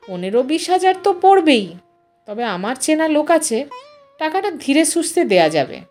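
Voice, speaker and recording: Audio story husband, middle-aged, practical and playfully romantic, coaxing female narrator acts him, slightly high pitch, music behind. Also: sing-song, normal speed, a little mellow. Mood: reassuring, coaxing.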